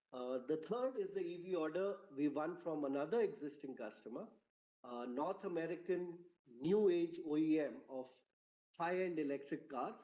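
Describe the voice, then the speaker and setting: A man speaking as a company executive, giving a prepared earnings presentation on a conference call in a measured, formal corporate manner. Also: fairly high pitch, dark tone. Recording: roomy, echoing conference call audio.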